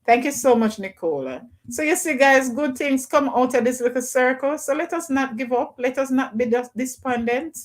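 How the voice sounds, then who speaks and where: A woman's voice: high voice, normal speed, hardly any pauses. A woman hosting a casual livestream call-in, chatting loosely and greeting viewers by name. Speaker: livestream host.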